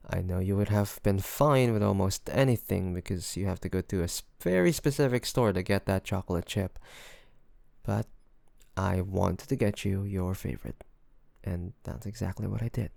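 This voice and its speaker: A man playing a loving, worried boyfriend in an intimate roleplay audio drama, speaking gently and hesitantly in a pleading way. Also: deep voice, normal speed, gravelly, dry recording. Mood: tender, affectionate. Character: loving, worried boyfriend coaxing his sick partner to rest.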